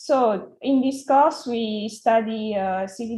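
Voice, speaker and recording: A somewhat breathy voice with a dark, mellow tone speaks at a fairly slow pace and ordinary pitch variation. The background is quiet. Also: woman. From Republic of Congo. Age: 20s. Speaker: university student, webinar moderator. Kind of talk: webinar introduction. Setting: university room, online webinar. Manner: halting, many fillers.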